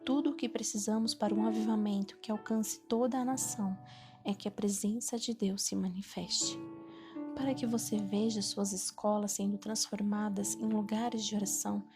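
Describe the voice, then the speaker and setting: A woman with a Brazilian Portuguese accent narrates a Christian devotional book in an earnest, steady manner. Her voice sits at an ordinary middle pitch. Clear instrumental music plays beneath the reading throughout. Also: normal speed. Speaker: audiobook narrator.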